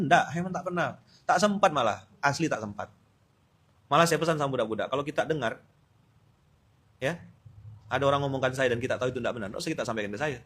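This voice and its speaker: Bright-voiced, animated Pontianak Malay preacher. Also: male voice, fairly high pitch. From Indonesia. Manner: lively, teasing, switches between loud outbursts and quiet asides. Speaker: Islamic preacher. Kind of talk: dawn study-circle sermon.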